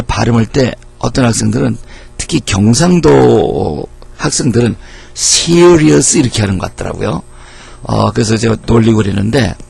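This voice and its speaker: Middle-aged male teacher, husky gravelly voice, patient lecture delivery. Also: fairly low pitch. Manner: explains patiently, reading English example sentences slowly. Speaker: English teacher. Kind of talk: lecture explaining English phrases.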